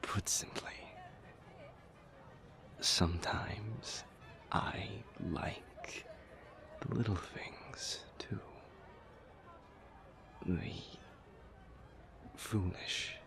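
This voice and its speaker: A man playing an urbane, old-souled vampire lover in an intimate audio roleplay, wry and tender, speaking in languid, formal phrases with a breathy murmur. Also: heavily acted. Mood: wry, musing. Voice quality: breathy, low, creaky.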